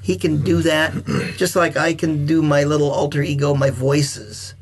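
Husky middle-aged man telling wrestling stories. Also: fairly high pitch, measured pace. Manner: animated storyteller, swings loud and soft. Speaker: veteran wrestler guest. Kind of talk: casual podcast chat.

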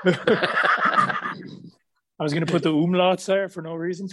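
A man being interviewed as a musician, relaxed and joking, laughing a lot and swearing freely. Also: high voice, moderate pace, dry recording, rough recording. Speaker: musician guest. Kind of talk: casual interview.

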